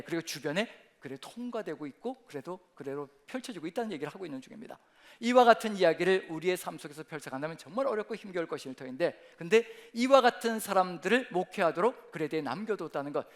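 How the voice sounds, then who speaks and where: A man's voice: high voice, expressive, fast talker. A male pastor preaching a sermon, asking many rhetorical questions and leading the congregation in reading aloud. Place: church sanctuary.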